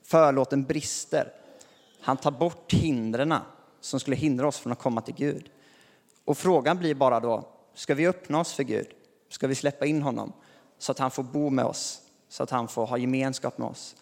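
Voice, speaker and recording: A man preaching a sermon in a relaxed, conversational way with light chuckles, recorded in a church hall. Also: medium pitch, creaky. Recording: long hall reverb.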